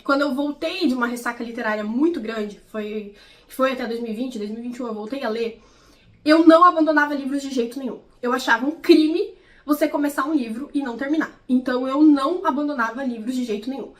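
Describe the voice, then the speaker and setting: A young woman with a high voice talks fast as she vlogs casually about books. Her commentary is chatty and explanatory, and she often checks in with her viewers.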